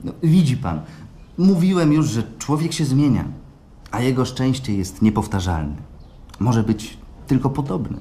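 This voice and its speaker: An actor playing an obsessive, nervous client who confides in a fretful storytelling manner in a live radio play. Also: male voice, medium pitch, lively intonation, measured pace, mellow. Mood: chillingly calm. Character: obsessive male client, nervously confessing, eerily elated. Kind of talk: live radio play acting, intimate monologue. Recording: noisy live stage recording.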